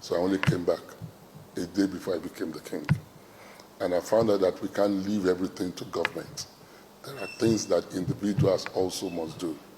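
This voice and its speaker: Over noticeable background noise, a man with fairly low pitch speaks in an American accent. His pace is moderate. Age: 60s. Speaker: traditional king. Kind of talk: formal address / interview remarks. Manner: hesitant, many fillers.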